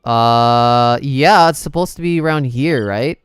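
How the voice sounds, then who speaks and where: A man's voice: mid-range voice, measured pace, clear, resonant tone, no room sound. A man livestreaming a video game, chatting casually with viewers and rambling as he thinks aloud.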